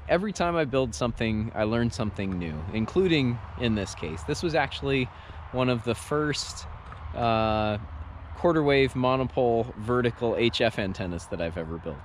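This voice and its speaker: An American man in his thirties talks casually in an open yard. His voice is mid-pitched, with faint outdoor noise behind it, as he runs a portable ham radio vlog. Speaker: amateur radio operator and vlogger.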